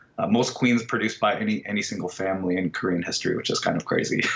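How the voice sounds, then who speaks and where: Noticeable background noise accompanies a voice with an American accent. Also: man. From Michigan, US (Ann Arbor/Detroit area). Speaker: artist. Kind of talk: TV interview. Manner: halting, many fillers.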